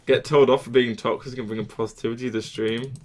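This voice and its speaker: A man streaming a card game, talking casually to chat, often restarting and trailing off into quiet mutters. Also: medium pitch, steady tone, quick pace.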